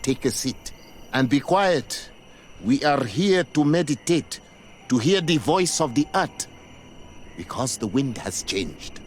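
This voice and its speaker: A stern tribal elder in a fantasy video game. He speaks slowly and solemnly, teaching with measured authority, over noticeable ambient background noise. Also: medium pitch, lively intonation. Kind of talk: video game dialogue acting.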